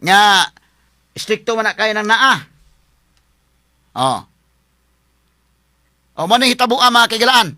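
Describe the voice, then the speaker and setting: High, bright-voiced Cebuano man chatting. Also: measured pace, pauses often, no echo, studio quality. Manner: chatty, addresses viewers as friends. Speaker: commentary vlog host. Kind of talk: casual political commentary.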